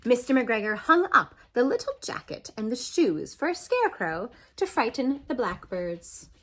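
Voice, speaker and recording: A woman reading a children's story aloud as an animated narration, expressive, with dramatic swoops and pauses. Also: on the high side, a little hiss or hum. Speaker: storybook reader.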